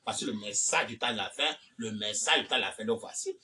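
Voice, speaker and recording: A man preaching a fiery sermon, swinging from low muttering to shouted high exclamations and repeating phrases. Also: fairly quick, far from the mic, a little hiss or hum. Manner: repeats phrases with frequent "hein?" and "eh ben".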